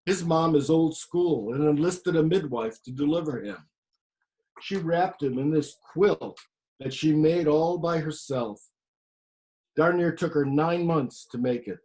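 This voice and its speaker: A man playing a quiet grieving old grandfather. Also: a little high, a little slow, lightly acted, low-quality recording. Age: older. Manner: quiet, subdued storytelling. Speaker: actor. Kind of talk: one-man stage play monologue.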